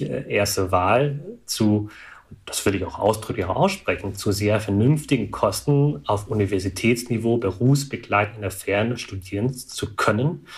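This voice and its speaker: Interview guest, male, thirties, low voice, calm and analytical, occasional hesitations. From Germany. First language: Vietnamese. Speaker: guest, alumnus. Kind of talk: reflective interview answers.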